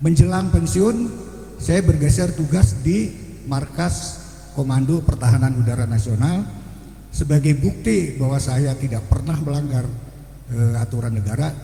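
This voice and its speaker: A man of medium pitch speaks at a moderate pace with lively intonation and long, frequent pauses, over noticeable background noise. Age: 70s. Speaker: retired air force serviceman, local resident. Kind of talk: interview testimony.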